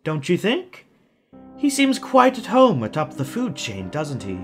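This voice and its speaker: A man's voice: on the high side, huge pitch swings, unhurried, faint music behind. A man playing a suave psychopathic villain in an audio drama, courteous and mock-polite, with a faint German accent. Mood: silky menace. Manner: courtly, mock-polite, teasing tag questions. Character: suave, theatrical psychopathic villain, serenely pleasant kidnapper.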